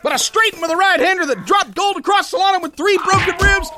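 A man's voice: very high-pitched, fast, bright, forceful tone, soft background music. A man playing a big, boastful, gullible boxer who tells his tale in slangy, ungrammatical tough-guy talk for a pulp radio play. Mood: excited, boastful. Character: big brawling boastful soft-hearted gullible male boxer, slangy narrator.

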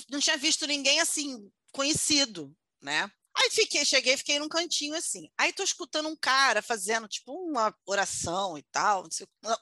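A woman's voice: sits high, sharp tone, dry recording, studio quality. A woman co-hosting a podcast, chatting and telling a rambling story with frequent laughter. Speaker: podcast co-host. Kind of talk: casual comedic chat.

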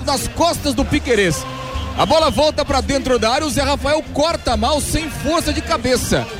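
A man's voice: very high-pitched, moderate pace, over music. A Brazilian man giving live match analysis as a football analyst, explaining the play step by step.

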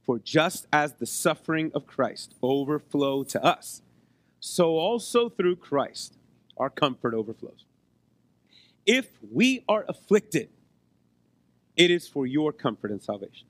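A man preaching a sermon in a conversational way, his voice hoarse as if he has been losing it, often checking in with his listeners. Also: on the high side, very animated, slow, no echo. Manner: conversational, checks in with rhetorical questions. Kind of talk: sermon to a congregation. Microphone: close microphone on a PA.

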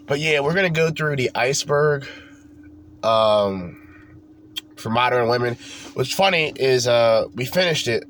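A man's voice: mid-range voice, a bit bright. A man with a congested, stuffy voice, chatting alone into his home microphone as host of his podcast. His speech is loose and rambling, tossing in casual swearing, with a faint hiss of noise underneath. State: congested from a cold. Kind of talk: casual solo podcast talk.

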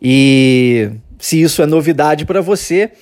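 A Brazilian man hosting an English-lesson podcast, explaining step by step, often checking in with "tá?" and slowly demonstrating sounds. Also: on the high side, a little mellow. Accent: Brazilian Portuguese. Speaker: English teacher, podcast host.

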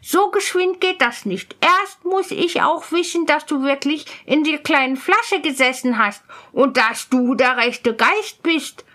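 A woman's voice: high voice, expressive, measured pace, pitched above the performer's own voice, full character voice. A woman playing a bold young student. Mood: firm. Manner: raised, bright and bold. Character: fearless young male student, quick-witted.

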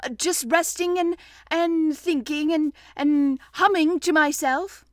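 A woman voicing a greedy, slow-witted, plaintive male teddy bear who hesitates and gets flustered in a storybook reading. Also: high voice, animated, fairly bright tone, dry recording, clean studio sound. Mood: pretend carelessness. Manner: hesitant, humming, easily flustered.

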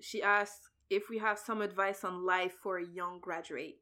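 A woman with a bright, forward voice co-hosting a relaxed podcast. She reads out listener questions, moving between English and French. Her talk is easygoing and conversational. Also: on the low side, a little slow. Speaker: podcast co-host. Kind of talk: casual chat.

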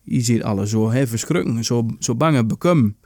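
Hesitant Low man, dry sound. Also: moderate pace, a little mellow, dry recording. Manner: hesitant, rephrases each line with many fillers. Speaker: podcast host. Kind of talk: reading an old text aloud and translating it.

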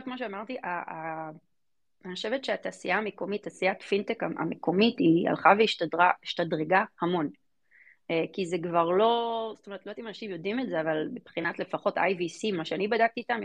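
A woman's voice: mid-range voice, a bit bright. A woman with an Israeli accent giving casual interview answers, emphatic and informal, often repeating words for emphasis. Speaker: guest, fintech venture investor.

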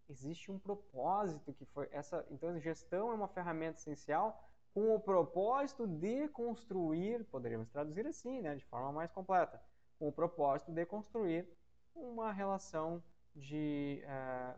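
A man teaching an English grammar lesson on a podcast. He repeats his example sentences slowly and keeps checking that listeners follow. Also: a little high, a little mellow. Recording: dull, muffled lo-fi audio.

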